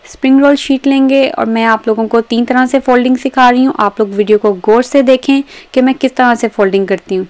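A woman's voice: on the high side, steady tone, fairly quick, hardly any pauses, a little mellow. A woman hosting a recipe video in voice-over, explaining step by step and addressing viewers directly. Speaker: cooking show host.

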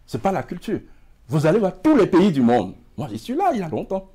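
Speaking through a lapel mic as a TV studio guest, this middle-aged emigration expert has a West African French accent. His high voice is warm and breathy, moving briskly with huge swings in pitch. He gestures broadly and trips over repeated words.

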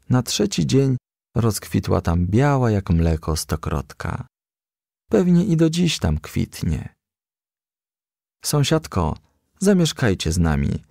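A man narrates a children's storybook in a low, gravelly voice. The recording is dry and close, with no room around the scripted reading. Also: dark tone, no echo. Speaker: audiobook reader.

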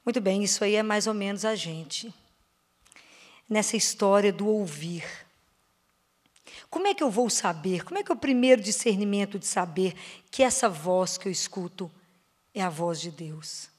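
A woman with a Brazilian Portuguese accent preaches a sermon to a parish prayer group in a church or parish hall. Her delivery is expressive: she poses questions to listeners, slows on the words she stresses and sinks to a soft, low voice for key phrases.

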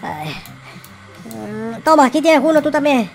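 A performer voicing an excitable, mischievous young noob in an improvised Minecraft roleplay, exclamatory and slangy, peppered with English curses. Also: high-pitched, measured pace, soft background music, exaggerated voice. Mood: bossy, hurried.

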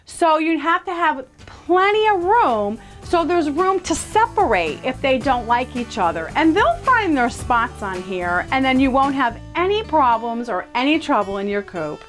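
A woman's voice: high voice, big pitch swings, a little slow, hardly any pauses, fairly bright tone, faint music behind. A middle-aged woman giving a casual, hands-on demonstration, emphatic and repeating words to drive points home. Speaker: homesteader and vlog host. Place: outdoors, in an open wooden chicken coop. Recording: outdoor ambient noise. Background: outdoor ambience.

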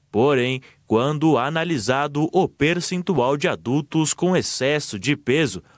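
A man's voice: fairly high pitch, no room sound. Brazilian male news voice-over, dry studio. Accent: Brazilian Portuguese. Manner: steady, measured news read. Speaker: news reporter.

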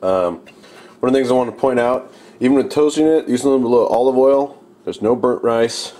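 A young man casually demonstrating camp cooking outdoors at night, talking in a relaxed, rambling way full of fillers, recorded on a camera held close. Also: medium pitch, a little fast.

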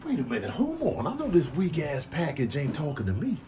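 A man's voice: a little high, wildly swooping pitch, fairly quick, mellow. A man with an American accent voicing a cocky, confrontational animal in slangy comic voice-over. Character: brash, streetwise male animals, cocky and quick to take offence. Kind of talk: comic animal voice-over, improvised trash talk.

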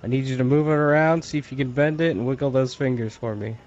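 A man's voice: medium pitch, quick pace, darkish tone, lo-fi sound, slight background noise. A man improvising as a paramedic in an online roleplay, giving patient, procedural instructions.

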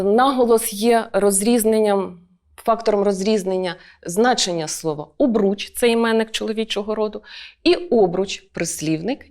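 A woman teacher delivers an online school lesson. She explains each point step by step and often pauses on short hesitation sounds. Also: medium pitch, a little mellow. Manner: explanatory, with frequent "e" fillers.

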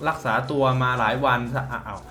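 Reading a mobile game's dialogue aloud, a man delivers crude, profane, joking banter as casual let's-play commentary. His mid-range voice sounds pushed and bright, at a moderate pace.

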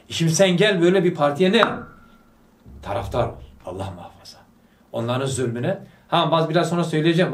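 A man's voice: mid-range voice, recorded from a distance. A man giving a religious study talk to a gathering. He speaks fervently, fires rhetorical questions and prompts his listeners to answer aloud. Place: study hall of a religious school. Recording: echoey room, voice picked up from afar.

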